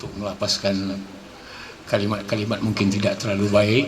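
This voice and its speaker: A man speaks at a moderate pace with a fairly low pitch. Noticeable background noise and audible room echo are present. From Riau, Indonesia (Dumai, Malay). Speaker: poet / literary artist. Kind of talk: talk before a poetry reading.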